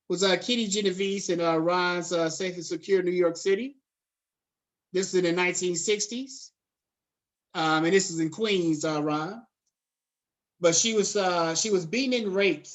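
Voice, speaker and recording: A man's voice: high voice, normal speed. Casual, slangy male lecturer. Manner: conversational, drifts into casual slang. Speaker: college lecturer. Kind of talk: classroom lecture.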